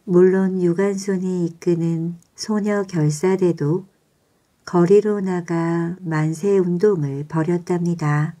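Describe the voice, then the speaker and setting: Slow, mellow woman telling bedtime stories. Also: on the low side. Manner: calm, soothing, measured. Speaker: storyteller. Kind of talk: bedtime story narration.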